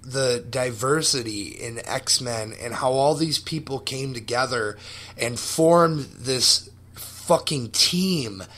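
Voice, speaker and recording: A young man hosting a podcast, casually telling a story with excited, profane enthusiasm. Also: mid-range voice. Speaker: podcast host.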